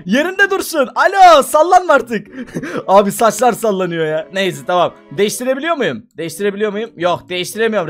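High-voiced excitable man playing a game. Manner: excitable, laughs often, talks straight to viewers. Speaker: gaming video host. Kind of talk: casual let's-play commentary.

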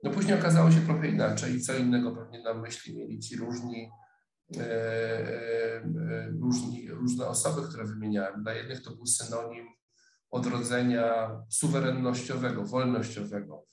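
A man's voice: medium pitch, flat delivery, moderate pace, darkish tone. Hesitant, thoughtful man in an echoey room. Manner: thoughtful, hesitant, many fillers and restarts. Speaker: sociologist lecturer. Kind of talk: online lecture. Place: office room, indoors. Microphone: webcam video call.

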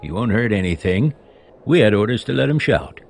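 Man voicing a gravelly, authoritative city cop. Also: on the low side, expressive, brisk, darkish tone, faint music behind. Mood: dismissive. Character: unbothered, authoritative city policeman. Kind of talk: audiobook character voice.

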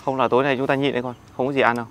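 A man's voice: medium pitch, level tone, very fast. A man vlogging outdoors by a lake while fishing, talking to his viewers and warning his children to be careful. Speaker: vlogger and father. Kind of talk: casual outdoor vlog.

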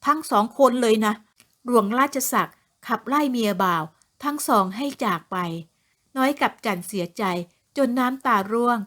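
A woman narrating an audio novel in a steady, even reading voice. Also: on the high side, moderate pace. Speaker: storyteller.

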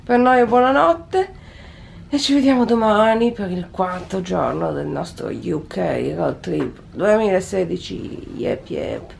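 A woman's voice: mid-range voice, animated, unhurried, vocal fry. A woman in her thirties, a travel vlogger talking to viewers in an upbeat, chatty way while filming herself on a phone held at arm's length. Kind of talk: casual travel vlog. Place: city streets outdoors and hotel room. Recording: busy street with crowd noise. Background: crowd and street noise.

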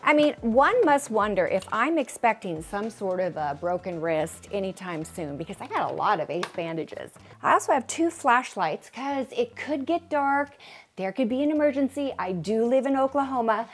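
A home organizing vlogger in her fifties gives a casual, chatty tour of her newly organized bedroom closet indoors, joking about herself and speaking straight to the camera. Her voice is on the high side and animated, at a normal speed.

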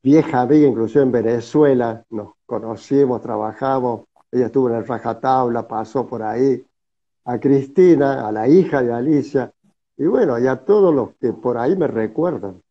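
A theatre director in his seventies, with a Cordoba Argentine Spanish accent, tells stories casually as an interview guest on a video call from an indoor room. His voice is medium-pitched at a normal speed, and the video-call audio is slightly muffled.

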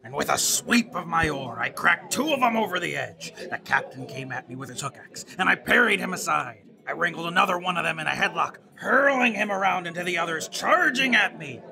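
A man's voice: fairly high pitch, expressive, a little fast, vocal fry, hardly any pauses, crowd noise. An actor playing a boastful, melodramatic young boatman in a fantasy audio drama, with theatrical, folksy bluster.

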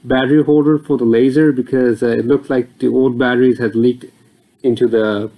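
A man's voice: medium pitch, steady tone, moderate pace, mellow, rough recording. A man explaining a motor repair over his footage in a plain, explanatory way, with occasional fillers. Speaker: repair channel host.

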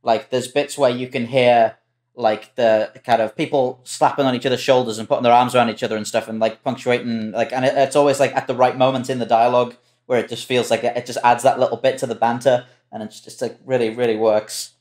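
A man's voice: mid-range voice, little pitch movement, brisk, a little mellow. A man chatting casually and appreciatively as a panelist in a roundtable. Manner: appreciative, informal. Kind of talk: casual chat.

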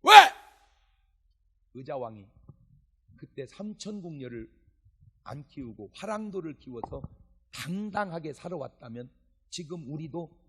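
A fairly high-voiced man preaching at a church revival service. His voice is husky, and its pitch swings widely as he tells jokey stories and acts out bits of dialogue. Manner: animated, joking storytelling with acted dialogue. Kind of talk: sermon.

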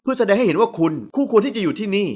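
A woman voicing a calm young male company head who speaks flatly. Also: on the high side, racing. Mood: cool. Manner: flat, even delivery.

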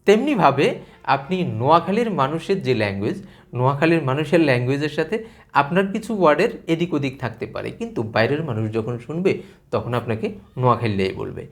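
A man talks in an even, lecturing tone, pitched at an ordinary middle height for a man. He speaks straight to the listener and piles up one example after another as he explains. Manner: measured, lecturing, addresses listener directly with repeated examples. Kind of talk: explanatory talk to camera.

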